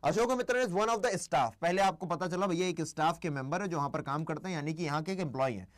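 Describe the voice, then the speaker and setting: This is a young man teaching a class on a live stream, and his voice sits high and light. He chats easily, switches between Hindi and English, and quizzes the class aloud. He drops his pace to dictate the important points. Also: fast. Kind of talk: live-stream exam lesson.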